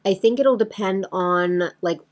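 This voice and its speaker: Woman, beauty vlogger, medium pitch, casual, chatty, rambling, speaking straight to viewers. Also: unhurried. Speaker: beauty vlogger and host of her channel. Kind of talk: casual chatty vlog to camera.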